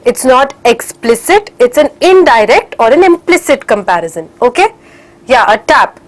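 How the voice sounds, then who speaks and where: A woman's voice: sits high, sing-song, normal speed. A young woman teaching an online English class for children in Indian English, encouraging and slipping in Hindi phrases, a little stuffy from a cold.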